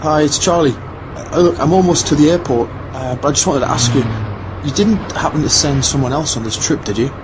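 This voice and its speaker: A man's voice: fairly high pitch, fairly quick, lightly acted. A man playing a watchful, worried traveler phoning while driving, talking in a hesitant, casual way in an audio drama. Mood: uneasy. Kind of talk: conversational audio drama acting. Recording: noisy car interior ambience. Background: car and road noise.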